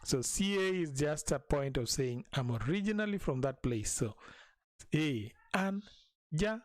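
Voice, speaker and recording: A man teaching a language in a live stream, patiently repeating each phrase slowly for learners. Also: on the high side, animated, dry recording.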